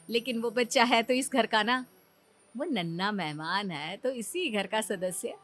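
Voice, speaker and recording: A sensible young daughter-in-law, voiced by a woman in a cartoon, calm and reasoning, firm without raising her voice. The tone is bright and a little high, with faint music behind. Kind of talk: Hindi cartoon voice acting.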